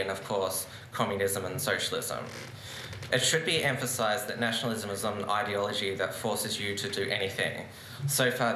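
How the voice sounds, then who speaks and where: A man's voice: lowish voice, pushed and bright, slight background noise. A young man giving an earnest, argumentative debate speech from a lectern at a conference. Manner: earnest, argumentative, gesturing while speaking. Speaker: debate speaker. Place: large conference room with seated audience. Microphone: lectern microphone on a stand. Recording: roomy conference hall echo.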